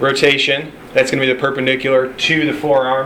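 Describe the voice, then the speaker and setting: Noticeable background noise sits behind this voice. The speaker is a man with a fairly high pitch. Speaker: university lecturer. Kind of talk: lecture. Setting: classroom. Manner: fast.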